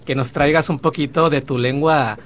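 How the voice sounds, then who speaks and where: A man's voice: on the high side, steady tone, moderate pace, a bit bright. A man hosting a radio interview in a studio booth, chatty with frequent fillers. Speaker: radio show host.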